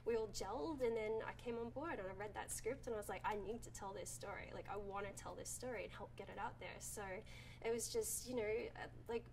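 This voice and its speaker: A woman's voice: mid-range voice, brisk, background noise. A woman with an Australian accent, a director talking casually about her film, full of "like" and "um". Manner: chatty, heavy use of "like" and "um". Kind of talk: casual interview answers.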